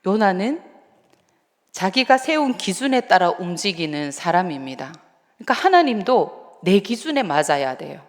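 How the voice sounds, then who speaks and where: A woman evangelist preaching a midweek sermon in a conversational, animated way, asking the congregation questions. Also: fairly low pitch, normal speed. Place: church sanctuary. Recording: long church hall reverb.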